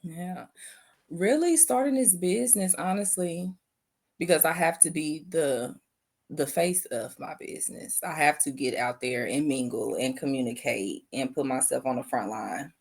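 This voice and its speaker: Low, gravelly-voiced woman reflecting. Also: unhurried. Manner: thoughtful, repeats phrases, soft spoken. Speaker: guest, veteran and business owner. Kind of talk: reflective interview answers.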